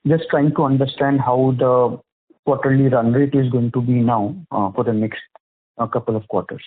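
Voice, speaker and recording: Male financial analyst, Indian accent. Husky voice, halting roundabout questions, low-fi phone conference sound. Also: fairly even intonation, narrow, tinny audio. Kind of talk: earnings call questioning. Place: telephone conference call.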